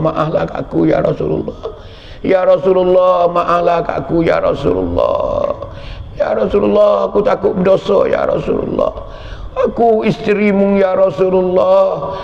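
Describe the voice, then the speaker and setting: A man playing a pleading dying wife, gravelly and high. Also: moderate pace. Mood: pleading, tearful. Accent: Pattani Malay. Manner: tearful, repeated pleading address. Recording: echoey hall, dull lo-fi sound.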